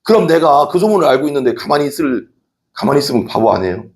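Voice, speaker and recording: A man's voice: medium pitch, big pitch swings, quick pace, darkish tone. A male pastor preaching an evening church sermon, telling the story with energy and often asking the congregation questions.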